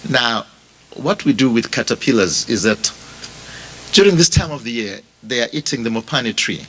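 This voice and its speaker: A man with a Zimbabwean accent preaching a sermon as a pastor, speaking deliberately and repeating phrases for emphasis as he addresses his listeners directly. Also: medium pitch, lively intonation, sharp tone, slight background noise, rough recording. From Bulawayo, Zimbabwe. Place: funeral service before a congregation.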